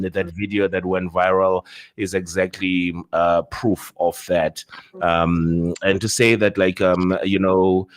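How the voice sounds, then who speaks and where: A South African man hosting a podcast in casual chat, rambling with lots of fillers and restarts, now and then breaking into loud excited bursts. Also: low voice, dry recording. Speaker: podcast host.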